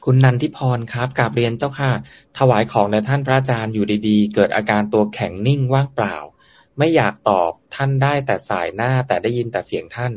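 A man's voice: mid-range voice, fairly quick, dull audio. A man moderator who names each sender and plainly reads out listener questions to the monk. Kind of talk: reading questions aloud.

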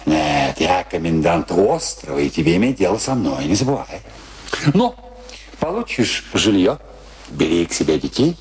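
An actor playing a pompous, sentimental middle-aged island commandant in a radio play, with a theatrical, self-important manner. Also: male voice, low-pitched, very animated, normal speed, darkish tone, slight background noise. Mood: stern, lecturing. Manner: theatrical, self-important, swinging between gushing and bitter.

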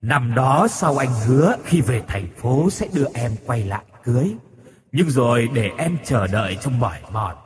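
A man's voice: mid-range voice, big-room sound. A man doing an eerie young ghost girl. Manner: eerie, taunting then mournful. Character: vengeful young female ghost in a doll. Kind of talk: horror audiobook reading.

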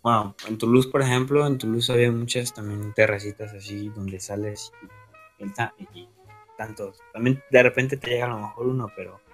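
A man's voice: on the low side, fairly even intonation, moderate pace, faint music behind. A man with a Mexican accent co-hosting a casual podcast, rambling and peppering his talk with slang. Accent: Mexican Spanish. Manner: rambling, restarts, says güey often. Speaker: podcast co-host. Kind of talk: casual chat.

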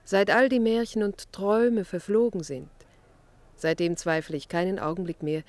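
A woman's voice: mid-range voice, fairly even intonation, normal speed, a little mellow, close to an everyday voice. An actress playing a devout, fearless young Christian woman in a German radio play, speaking with solemn, fervent dignity. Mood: exalted, solemn.

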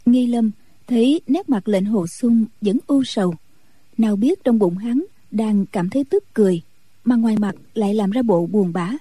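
A woman reading a martial-arts storybook aloud in a steady, even-paced narration. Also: mid-range voice, moderate pace, breathy edge, no room sound, poor audio. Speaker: audiobook narrator.

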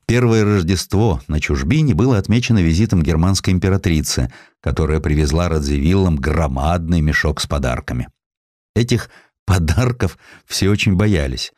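A man reading a historical sketch as a scripted literary narration, in a measured, expressive storytelling manner. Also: deep voice, no room sound, studio quality. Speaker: audiobook narrator.

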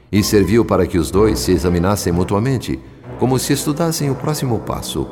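A male narrator with a Brazilian accent tells a radio drama in measured, literary phrases full of suspense. His voice is very deep, trailing a long reverb over soft background music.

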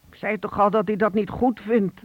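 An actress playing a lonely, proud elderly pensioner in a radio play, hesitant and polite. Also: female voice, mid-range voice, steady tone, moderate pace, no echo, lightly acted. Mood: anxious, grateful. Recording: tinny, narrow phone-like radio recording.

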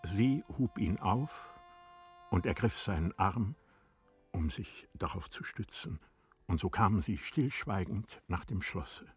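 A man narrating a literary radio play in a measured, expressive storytelling manner. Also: low voice, slightly rough, soft background music.

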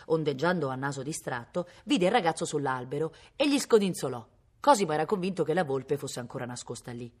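A woman with a low voice reads a novel aloud, her delivery swinging widely in pitch. She reads expressively, throwing in imitations of animal sounds. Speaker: reader. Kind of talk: read-aloud novel narration.

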